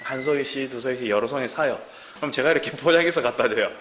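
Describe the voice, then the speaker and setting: Fast and a bit bright, this mid-range voice is a pastor in his thirties preaching with a Gyeongsang Korean accent. He asks his congregation question after question in a church sanctuary, recorded in a roomy hall with faint hiss.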